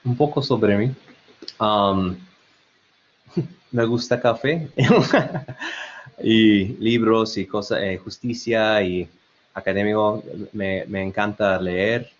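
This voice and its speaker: A man's voice: lowish voice, slow pace, pauses often. A man with an American-tinged Spanish accent giving an online webinar presentation, hesitant with many fillers and restarts. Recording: dull lo-fi web call audio.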